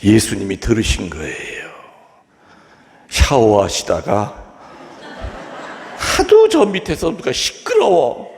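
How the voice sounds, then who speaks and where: A man's voice: on the low side, wildly swooping pitch, slow, pauses often, a little mellow. A Catholic priest giving a humorous, chatty homily to his congregation in a church. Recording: long reverb of a large hall.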